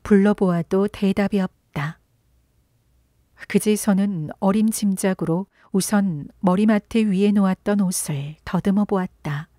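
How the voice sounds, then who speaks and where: A woman narrating a literary audiobook in a gentle, unhurried storytelling voice that sometimes drops into a whisper. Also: mid-range voice, no echo, clean studio sound. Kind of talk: soft literary audiobook reading.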